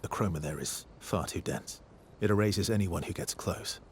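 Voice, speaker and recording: An actor playing a weary, guarded man who has traveled with many expeditions, speaking calmly in a game cutscene. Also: moderate pace, a little hiss or hum, lightly acted. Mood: grave. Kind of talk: video game cutscene acting. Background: cello and double bass score.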